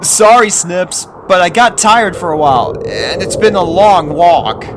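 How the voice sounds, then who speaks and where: Man voicing an easygoing, raised-pitch pony boy. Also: expressive, unhurried, noisy background. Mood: tired. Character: easygoing, loyal young boy unicorn pony. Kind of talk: acted character voice in fan fiction reading.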